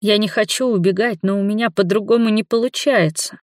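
A woman's voice: medium pitch, moderate pace, no echo, studio quality, close to an everyday voice. A woman reading a story, voicing a worried middle-aged mother who doubts and laments in a plaintive tone.

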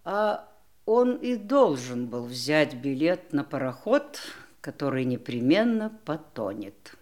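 An actress playing a composed, coolly bitter mistress in an audio drama, speaking in a terse, deliberate manner. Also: female voice, deep voice, sing-song, a little mellow, full character voice. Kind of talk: theatrical audio drama dialogue.

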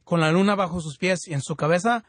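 A fervent man hosting a Catholic radio program, his voice a little high for a man. He prays and explains with frequent stops and restarts. The studio sound is dry and close. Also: quick pace, no echo. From California. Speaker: radio show host. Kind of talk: Catholic radio talk and prayer.

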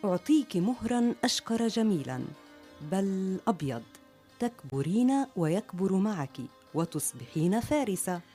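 A woman playing a gentle, patient mother of three girls in a radio story, speaking in a soothing, tender way. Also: medium pitch, very animated, normal speed, soft background music, natural voice.

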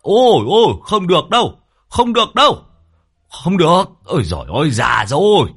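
A man's voice: high voice, very animated, moderate pace, a bit bright, breathy edge, pitched above the performer's own voice, heavily acted. A man voicing a panicky young rascal who cries out in alarm. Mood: protesting. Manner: panicky, exclaiming.

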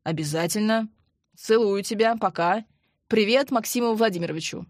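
A woman's voice: medium pitch, moderate pace, dry recording, close to an everyday voice. A woman voicing a young man who talks in a dry, teasing way. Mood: wry. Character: young man, wry and joking.

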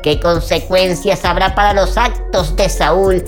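A woman's voice: on the low side, steady tone, measured pace, faint music behind, close to an everyday voice. A woman playing a solemn, foreboding storyteller introducing a horror audio drama in a portentous manner. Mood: ominous. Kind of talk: scripted horror drama narration.

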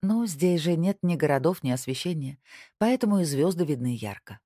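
An audiobook reader voicing a direct, teasing Southern widow who runs a business, lifting the voice higher for her lines. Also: animated, normal speed, mellow, dry recording, studio quality, lightly acted. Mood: earnest. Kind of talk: audiobook dialogue.

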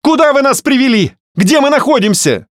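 A male narrator voicing an indignant, furious young woman held captive, in shrill outraged outbursts. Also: big pitch swings, moderate pace, dry recording, clean studio sound. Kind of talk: audiobook character voice.

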